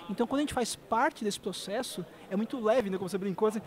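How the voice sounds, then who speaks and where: A man with a Brazilian Portuguese accent, a missionary guest on a podcast, telling his stories in an emotional, animated way. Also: high voice, fast. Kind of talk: podcast conversation.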